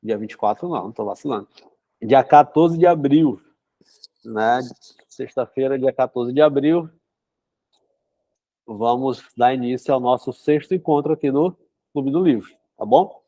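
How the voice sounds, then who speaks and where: A man's voice: mid-range voice, normal speed, long pauses, dark tone, no echo, poor audio. A young man, congested with a cold, hosting a book club in a chatty, casual way and often adding "né?". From São Luís, Brazil. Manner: chatty, filler-heavy, frequent "né?". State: congested with a cold, runny nose. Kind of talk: casual live-stream talk and reading aloud.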